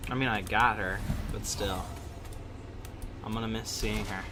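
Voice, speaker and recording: A man hosting a casual gaming livestream, slangy and halting, joking at his own expense with game music behind him. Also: fairly low pitch, steady tone, background noise. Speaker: livestream host. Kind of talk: casual gaming stream chat.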